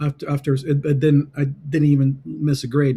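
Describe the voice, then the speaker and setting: The voice is dark, mellow and somewhat breathy, with a Spanish accent. It moves at a moderate pace. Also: man. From Puerto Rico, then Northern Virginia from age 11. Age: 50s. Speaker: creative entrepreneur. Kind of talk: casual interview. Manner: halting, many restarts.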